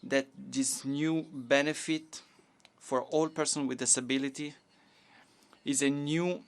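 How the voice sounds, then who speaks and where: Woman giving a formal speech, clean smooth voice, halting bits here and there. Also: rumbling low, fairly even intonation. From Portugal. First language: Portuguese. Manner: measured, halting delivery with restarts. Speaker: government minister giving a statement. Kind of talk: formal conference speech in a second language.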